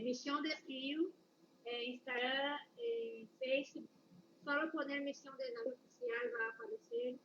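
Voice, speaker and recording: Woman, Paraguayan accent, high voice, halting, dull lo-fi audio with faint hiss. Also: fairly bright tone, distant mic. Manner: hesitant, searching for words. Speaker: missionary. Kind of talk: live-stream church talk.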